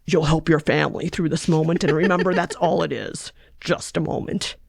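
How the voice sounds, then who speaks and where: A woman voicing a steady young man, a storybook boyfriend who soothes with calm certainty. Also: low-pitched, moderate pace, creaky, slightly rough, dry recording, clean studio sound, heavily acted. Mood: soft, soothing.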